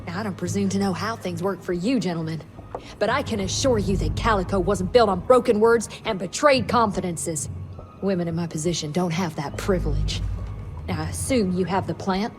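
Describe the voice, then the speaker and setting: An actress playing a proud, stern doctor in command in a video game, formal and cutting. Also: female voice, lowish voice, fairly quick, lightly acted. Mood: offended, stern. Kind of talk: video game cutscene acting. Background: music.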